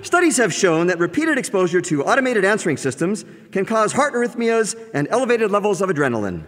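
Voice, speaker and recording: Drug-ad announcer, a man plays him, slick, high and lively, reverby. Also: fast. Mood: salesy. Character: smooth adult male drug-ad announcer.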